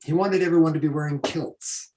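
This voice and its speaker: A man illustrator telling stories on a panel, hoarse and losing his voice, speaking casually. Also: on the high side, fairly even intonation, a little fast, darkish tone, slight background noise.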